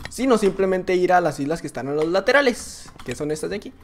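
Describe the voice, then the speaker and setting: A man with a Mexican Spanish accent giving casual, excitable gameplay commentary, full of slang, laughing and often shouting. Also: sits high, fast talker, a little hiss or hum. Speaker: gaming YouTuber.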